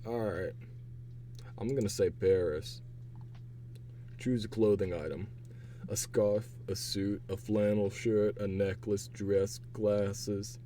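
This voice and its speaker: A young man streaming casual chat while he takes online quizzes. His voice is hoarse and raspy, and he rambles with a chatty manner. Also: fairly low pitch, fairly even intonation, takes it slowly, pauses often, dark tone, slight background noise. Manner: chatty, rambling, laughs to himself. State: hoarse, voice partly gone.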